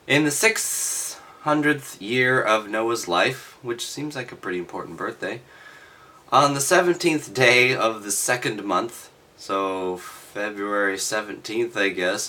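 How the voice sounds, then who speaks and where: Guy reading aloud real slow w/ dry sardonic asides, kinda low pitched, stops and starts. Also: sharp tone. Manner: halting, offhand, sardonic asides. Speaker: reader and commentator. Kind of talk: reading scripture aloud with offhand skeptical commentary.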